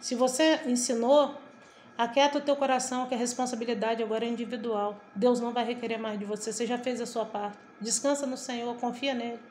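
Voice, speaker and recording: A woman's voice: a little high, fairly even intonation, a little fast, a little mellow, slight background noise. A middle-aged woman from Brazil preaching a devotional sermon in a fervent, emphatic way, often repeating her phrases. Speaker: evangelical preacher.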